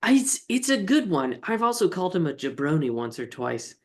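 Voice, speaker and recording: A woman co-hosting a comedy podcast in casual chat, with dry, deadpan jokes. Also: lowish voice, a little fast. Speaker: podcast co-host.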